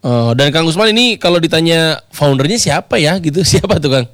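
A man hosting a radio talk show, chatty and jokey, with quick asides. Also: fairly high pitch, expressive, fairly bright tone, no echo, studio quality. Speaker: radio host.

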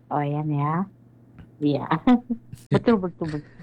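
A woman's voice: deep voice, expressive, slow, warm tone. A woman calling in to a radio show over a phone line that sometimes breaks up and sounds robotic, chatting and passing on greetings. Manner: chatty, reels off greetings to listeners. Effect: phone line, breaking up robotic at times. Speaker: radio caller. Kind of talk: casual call-in chat.

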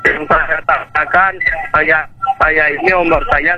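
A man's voice: on the high side, fairly even intonation. Elderly man calling in over music. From Sekayu, South Sumatra. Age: 80s. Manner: halting, repetitive, polite. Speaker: radio caller. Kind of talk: phone-in question. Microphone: phone. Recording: muffled phone line with loud radio music behind. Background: radio playing loudly.

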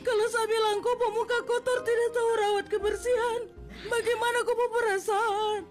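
A woman playing a hurt office worker who speaks tearfully and confronts her teasing colleagues over soft music. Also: extremely high pitch, level tone, a little slow. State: crying. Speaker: office worker teased about weight. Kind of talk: amateur comedy skit acting.

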